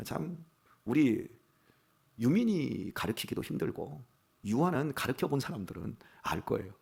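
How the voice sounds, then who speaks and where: A man's voice: mid-range voice, very animated, measured pace, gravelly, darkish tone, breathy edge. A middle-aged male pastor giving an early-morning sermon, telling folksy personal stories and rising to fervent emphasis.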